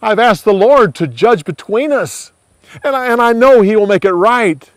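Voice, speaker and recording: A man's voice: sits high, lively intonation, normal speed, dry recording, voice pushed up. A man voicing a young male hero who earnestly pleads with his king in a Bible story. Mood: pleading.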